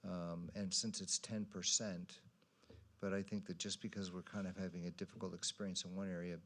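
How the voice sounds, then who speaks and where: A man speaking as a council member in informal meeting remarks, halting and wandering into asides. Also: sits low, flat delivery, fairly bright tone.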